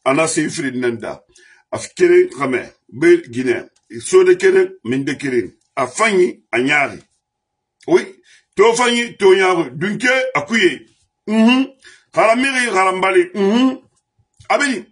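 A man from Guinea with a high, husky voice holds forth in an impassioned political monologue. He speaks as a diaspora commentator and drives his complaints home with repeated refrains. His voice often climbs into shouts. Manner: heated, rising to shouts, lists grievances with repeated refrains.

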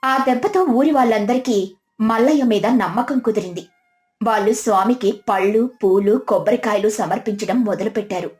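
A woman's voice: a little high, normal speed, a little mellow. A woman narrating a scripted village moral tale in storybook style. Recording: music behind the voice.

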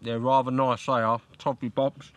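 A middle-aged fishing vlogger chats casually beside a lake, filmed on a handheld camera held close to his face. His voice is mid-range with little pitch movement and a moderate pace. He says "look" often and coos at his dog.

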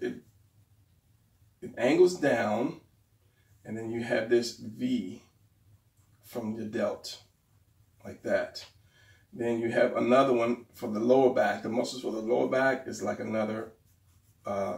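A man teaching how to draw the torso as he sketches. His voice is going hoarse, and he trails off and mutters while he works. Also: medium pitch. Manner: talks while drawing, trailing off and muttering to himself. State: losing his voice. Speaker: art instructor. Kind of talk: drawing tutorial while sketching. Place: indoors at a desk. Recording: roomy, slightly distant mic.

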